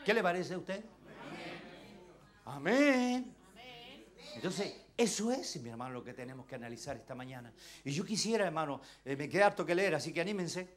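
Chilean pastor guy preaching, high voice, keeps asking the church questions, loud then quiet. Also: animated, fast talker. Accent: Chilean Spanish. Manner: impassioned, swinging between shouts and near-whispers; calls out to the congregation with rhetorical questions. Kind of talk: sermon.

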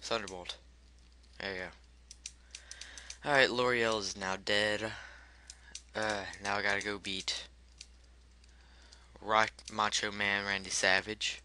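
A man's voice: lowish voice, little pitch movement, slow, pauses often, sharp tone, a little hiss or hum. Irritated man cursing through gameplay. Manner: frustrated, swearing at the game, muttering menu choices. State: voice cracking. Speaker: gameplay commentator. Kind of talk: let's play commentary.

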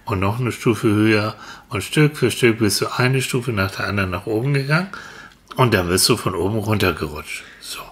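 In a children's audio series, a man acts as a mentor to a child character, improvising patient, encouraging and reassuring explanations. His voice is fairly low in pitch at a moderate pace.

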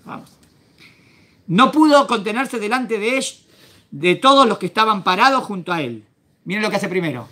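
Rabbi guy w/ teaching torah class, bright sharp voice, keeps quizzing the students. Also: sits high, animated, moderate pace, long pauses. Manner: questions the class and acts out the verses.

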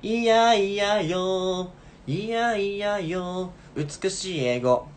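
A man's voice: high-pitched, drawn-out words, slight background noise. A man in his twenties chatting casually on a livestream, playfully repeating short phrases into a phone. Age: 20s. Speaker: live streamer chatting with viewers. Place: small room indoors. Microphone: phone at arm's length.

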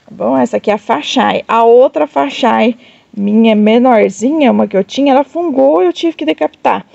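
Gushing Brazilian woman, gravelly and mellow. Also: fairly high pitch, moderate pace, no room sound, dull audio. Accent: Brazilian Portuguese. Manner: gushing, addresses viewers as "gente", coos over plants with diminutives. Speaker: succulent grower showing her plants. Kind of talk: casual show-and-tell vlog.

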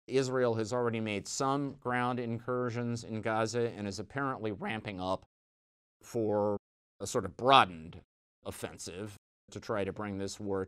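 A middle-aged man giving a weekly church news commentary from a small studio on a lapel mic, conversational and wry, with lively emphasis and dry asides. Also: mid-range voice. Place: small dark studio set, indoors.

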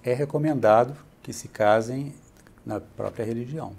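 Gravelly husky Brazilian man. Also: mid-range voice, moderate pace. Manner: steady, explanatory, adds "né" often. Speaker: church bishop, interview guest. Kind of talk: explanatory interview answers. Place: bright furnished room, indoors.

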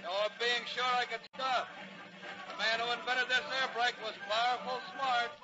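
An actor playing a proud, folksy veteran train engineer in 1940s radio drama style. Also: male voice, very high-pitched, flat delivery, normal speed. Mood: proud, marveling. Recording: muffled 1940s radio recording, music behind.

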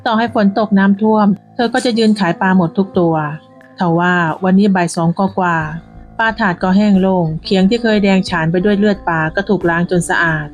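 A woman reading a story aloud in a steady, descriptive narration. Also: mid-range voice, fairly quick, faint music behind.

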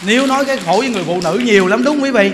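A Buddhist monk giving an animated sermon, joking as he tells stories and addresses the audience directly. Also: extremely high pitch, rapid-fire, in a large hall, a crowd in the background, background noise. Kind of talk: lively sermon.

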